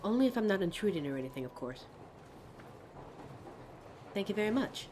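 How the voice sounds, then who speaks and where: A woman's voice: mid-range voice, big pitch swings, a little fast, darkish tone, natural voice. A woman playing a friendly, lonely train passenger in a hesitant, reflective ASMR roleplay monologue, chatting to a stranger. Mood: shy, tentative. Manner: hesitant, musing, reflective, trailing off. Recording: vehicle noise behind voice. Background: train ambience sound effects.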